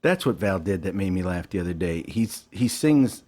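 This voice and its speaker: A man's voice: low-pitched, lively intonation, moderate pace, darkish tone. A man in his forties co-hosting a podcast, joking and teasing in casual banter. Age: 40s. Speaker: podcast co-host. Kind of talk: casual chat.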